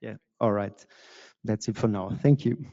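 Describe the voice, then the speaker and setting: Casting: man, event host, very dark mellow tone, halting delivery, lecture hall mic. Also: on the low side. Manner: halting, many fillers. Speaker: lecture series organizer and moderator. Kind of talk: hesitant spoken introduction. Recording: lo-fi with long hall reverb.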